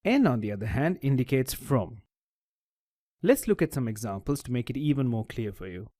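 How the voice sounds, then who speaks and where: A man narrating a scripted language tutorial, explaining each step clearly and methodically. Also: mid-range voice, sing-song, normal speed, mellow, no echo. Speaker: language teacher.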